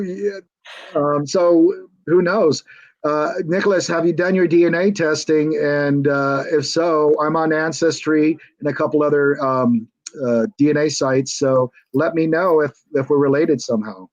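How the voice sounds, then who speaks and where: Speaking unhurriedly in a voice on the high side, an American man who once competed on a reality show chats as a video-call guest. He hesitates and rambles, restarting often and leaning on fillers. The audio has no echo but sounds muffled.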